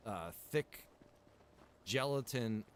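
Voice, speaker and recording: A man's voice: mid-range voice, lively intonation, drawn-out words, a little hiss or hum. An American man, a video game streamer, chatting casually during gameplay in a rambling, slangy, informal way with some mild swearing. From Pennsylvania, United States.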